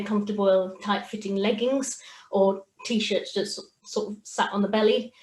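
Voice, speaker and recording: A woman with a strong British accent talks at a moderate pace in a fairly high pitch. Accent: thick British. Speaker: sports development officer. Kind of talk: webinar presentation.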